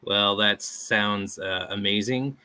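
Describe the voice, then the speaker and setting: Casual male interviewer, unhurried and halting, bright close dry voice. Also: on the low side, fairly even intonation, clean tone, no echo. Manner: halting, many fillers, chuckling.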